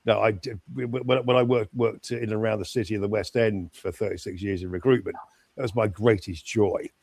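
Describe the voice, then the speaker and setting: Older man, upbeat guest, halting speech, dry mic. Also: lowish voice, fairly even intonation, creaky, a little mellow, dry recording. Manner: hesitant, stammering, upbeat. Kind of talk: casual chat.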